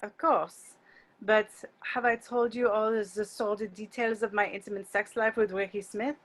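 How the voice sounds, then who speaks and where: A woman's voice: medium pitch, fairly even intonation, moderate pace, lightly acted, rough recording. A woman playing a frank, encouraging young French exchange student in an amateur script read over a video call. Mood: frank, prodding.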